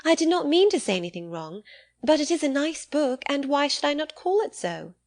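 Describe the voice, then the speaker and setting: A woman's voice: high voice, sing-song, a little fast, darkish tone, no room sound, pitched above the performer's own voice. Lady reading as naive teen girl in an old storybook, eager, candid, very earnest, dry sound. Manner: eager, apologetic, artless.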